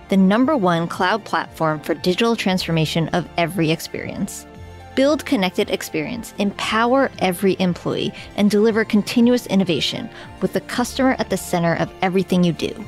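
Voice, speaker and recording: A woman announcer reading a scripted sponsor message in a smooth, even way. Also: medium pitch. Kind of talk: scripted ad read. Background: faint music.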